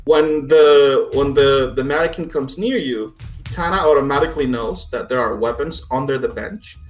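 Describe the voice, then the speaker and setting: A man running a tabletop game, narrating and explaining in a halting, conversational way as game master. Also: medium pitch, soft background music. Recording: echoey room.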